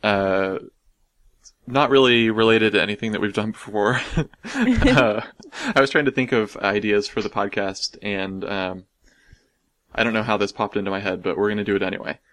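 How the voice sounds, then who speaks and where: A man's voice: lowish voice, moderate pace, fairly bright tone, dry recording. An American man hosting a casual podcast, rambling and self-deprecating, laughing often. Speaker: podcast host.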